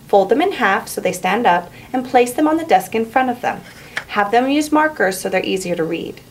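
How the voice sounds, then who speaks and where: A woman teacher giving clear, encouraging instruction, in the style of a lesson. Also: on the high side. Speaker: English teacher. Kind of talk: instructional narration and classroom teaching. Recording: roomy echo, faint background noise.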